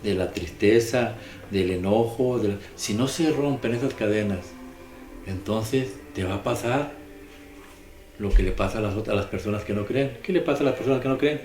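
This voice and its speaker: A man's voice: fairly low pitch, normal speed, darkish tone. A man preaching a sermon, emphatic and repetitive, putting questions to his listeners. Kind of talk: sermon on the daily gospel. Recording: echoey room with music behind.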